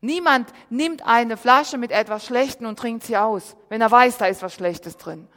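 A woman pastor preaching a sermon in a church hall, talking with emphasis and swinging between loud and hushed. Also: on the high side, a little slow. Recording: reverberant hall.

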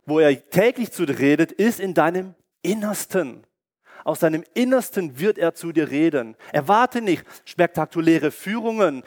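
Guy preaching, fairly high voice, gets fired up and asks the crowd questions. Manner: emphatic, rhetorical questions, bursts of excitement. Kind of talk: sermon.

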